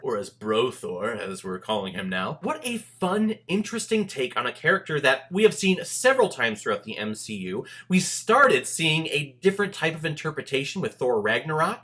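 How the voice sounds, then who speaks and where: A man's voice: on the high side, a bit bright. A man hosting a casual movie review, talking straight to viewers in an emphatic, conversational, joking way.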